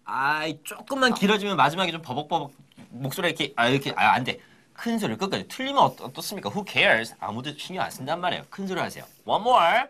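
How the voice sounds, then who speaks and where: A man's voice: fairly high pitch, fast. A man teaching English phrases in an upbeat lesson, coaching the audience with energy and pushing them to repeat after him. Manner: energetic, coaxing, drills phrases aloud.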